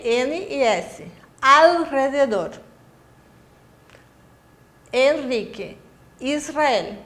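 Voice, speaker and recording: A Brazilian woman teaching a recorded Spanish lesson, explaining pronunciation with many fillers and restarts. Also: on the high side. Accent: Brazilian Portuguese. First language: Portuguese. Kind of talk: distance-learning lesson.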